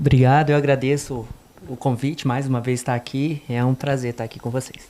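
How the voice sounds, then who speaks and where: This man has a dark, mellow tone and a medium pitch, speaking with a Minas Gerais accent. His delivery is a flat monotone at a fairly quick pace. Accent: noticeable Minas Gerais (mineiro). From interior of Minas Gerais, Brazil (Carandaí, Zona da Mata). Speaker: ENT doctor. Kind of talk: TV interview, explaining medical topics.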